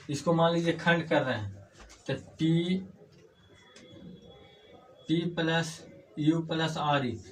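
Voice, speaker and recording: A man teaching a grammar class at a board, with a fairly high voice. He explains each point step by step and asks key words back to the class as questions. The recording is distant, with a faint hiss in the room. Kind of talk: classroom lecture.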